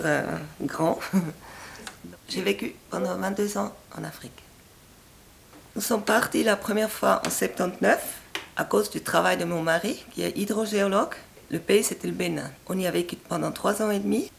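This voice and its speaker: A woman in her sixties with a Swiss French accent, calmly recounting her life in an interview. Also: medium pitch, moderate pace, creaky, a little hiss or hum. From Switzerland. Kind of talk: personal interview.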